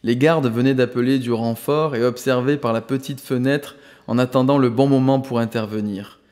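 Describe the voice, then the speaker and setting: Male audiobook narrator, steady and even, mid-pitched, long reverb. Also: normal speed. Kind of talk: scripted narration.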